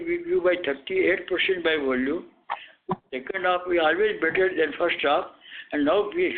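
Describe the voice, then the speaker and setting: A man's voice: sits high, slight background noise. A man with an Indian accent answering analysts as a company executive on an earnings call, firm and matter-of-fact. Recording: narrow tinny phone line.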